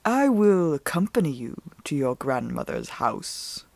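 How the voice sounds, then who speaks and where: A woman voicing a grave, courteous, vengeful male wolf in a storybook reading, with a low, growling, breathy voice and slow, solemn delivery. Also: very animated, a little mellow, no echo, full character voice.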